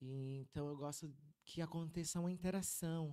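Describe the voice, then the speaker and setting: A woman's dark, mellow tone at a fairly slow pace, with ordinary pitch variation, on a very clean recording with a silent background. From Brazil, Recife (Northeast). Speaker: former state politician and speaker. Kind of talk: public lecture.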